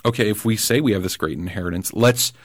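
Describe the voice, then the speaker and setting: A man, a podcast guest, talking through political ideas in casual conversation, thoughtful and halting, with many restarts. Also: fairly low pitch, no room sound, clean studio sound.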